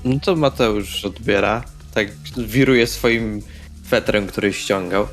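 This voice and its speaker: A man's voice: on the low side, takes it slowly, soft background music. A man role-playing in a tabletop game, speaking in short, laconic phrases.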